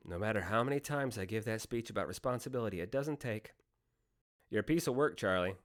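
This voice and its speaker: A man's voice: lowish voice, lively intonation, fairly quick, natural voice. A man playing a sly, sardonic devil-like tempter in a radio play, speechifying in a persuasive, mock-folksy way. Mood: wry. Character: sly, theatrical male devil-like deal maker, smooth tempter.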